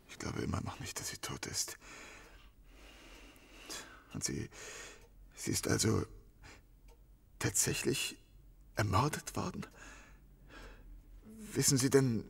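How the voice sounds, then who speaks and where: An actor in a crime radio play voicing an agitated innkeeper grieving his murdered wife, halting, stammering and swearing bitterly. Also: fairly low pitch, creaky, slight background noise, heavily acted. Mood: stunned, halting. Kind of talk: dramatic audio drama acting.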